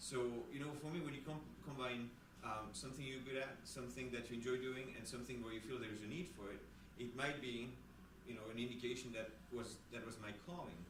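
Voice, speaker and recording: A man with a French accent speaks at a fairly quick pace, his medium-pitched voice holding fairly even intonation. Audible room echo and noticeable background noise surround him. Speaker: French and Latin teacher. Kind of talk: interview answer. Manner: halting, with fillers and restarts.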